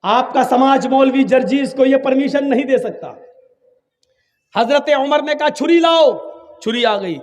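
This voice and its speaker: Male preacher, high-pitched and dramatic, long hall reverb; quiet asides that burst into shouts. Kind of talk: Urdu sermon with acted storytelling.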